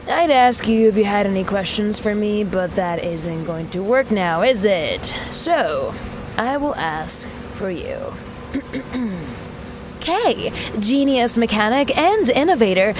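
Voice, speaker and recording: A woman's voice: medium pitch, noisy background. An actress playing a brash, self-assured young woman mechanic in a sci-fi audio drama, talking wryly into a recording as if interviewing herself. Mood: confident, wry. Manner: wry, self-interviewing, casually sweary.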